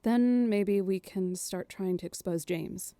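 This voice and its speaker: A medium-pitched, closely recorded female voice from an actress plays an impulsive young runaway in an audio drama. She is assertive and brisk, with an upbeat, sarcastic edge. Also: dark tone, no echo, natural voice.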